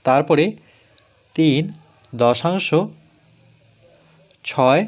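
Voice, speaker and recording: A man teaching a school math lesson, going through each step and repeating numbers slowly. He asks the students questions and then answers them himself. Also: a little high.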